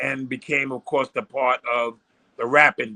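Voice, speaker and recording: A man with a New York accent speaks at a moderate pace in a fairly high pitch, his intonation monotone and flat, the sound dry and close with no echo. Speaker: hip hop pioneer and actor. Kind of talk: interview.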